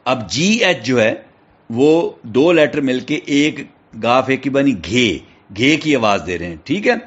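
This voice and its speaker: Male teacher, Pakistani accent, spells words slowly, muffled lo-fi recording. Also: mid-range voice, lively intonation. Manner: spells words letter by letter, checks in with "theek hai". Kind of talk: classroom lecture. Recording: dull lo-fi recording.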